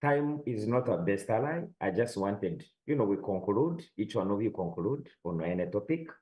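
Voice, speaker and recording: A man hosting a news roundup panel, moderating briskly. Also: fairly low pitch, expressive, warm tone, rough recording. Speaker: host.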